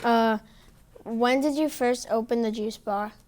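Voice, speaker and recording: A woman's voice: a little high, unhurried, darkish tone. A woman interviewing someone, asking her questions hesitantly with uhs and likes.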